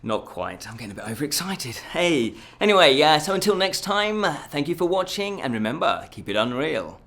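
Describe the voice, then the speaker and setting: A man's voice: on the high side, big pitch swings, normal speed, fairly bright tone. A man presenting an informal news show from a script, ad-libbing with self-deprecating jokes and tripping over words.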